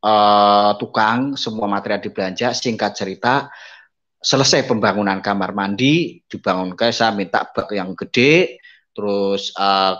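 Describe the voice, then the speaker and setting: Addressing his audience as brothers and sisters, a blind testimony speaker tells an emotional personal story, lowering his voice for quiet asides and raising his pitch to mimic those he quotes. The recording is slightly dull, lo-fi audio.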